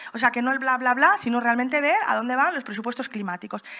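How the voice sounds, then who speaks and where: A woman's high, raised, projected voice at a very fast pace against a quiet background. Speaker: regional government climate official; panelist. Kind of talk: conference talk. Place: hall. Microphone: handheld.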